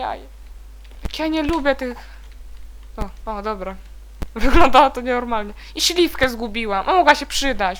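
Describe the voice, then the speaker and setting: A young woman casually commenting as she plays a video game, chatty and easily startled into high shrieks. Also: fairly bright tone. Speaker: let's play gamer.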